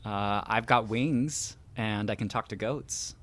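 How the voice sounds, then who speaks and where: A man playing a goofy, laid-back adolescent boy in an audio drama, with a hesitant, deadpan manner. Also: on the low side, takes it slowly.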